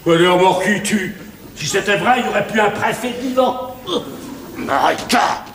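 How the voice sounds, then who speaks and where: An actor playing a loud, crude, bossy rich businessman in a 1970s televised stage comedy. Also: high-pitched, lively intonation, moderate pace. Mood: blustering. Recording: echoey stage, distant mic, noisy.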